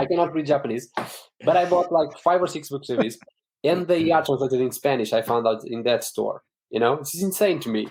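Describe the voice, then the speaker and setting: A man with a Portuguese accent talks at a fairly quick pace in a fairly high voice with ordinary pitch variation. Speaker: comic book artist and writer. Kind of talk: casual interview chat.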